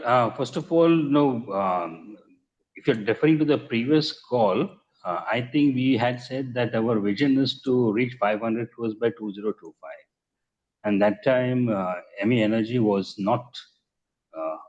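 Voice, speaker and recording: An Indian man answering investor questions as a company executive on an earnings call, in measured, hesitant phrasing with repeated words. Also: lowish voice. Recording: muffled conference call audio.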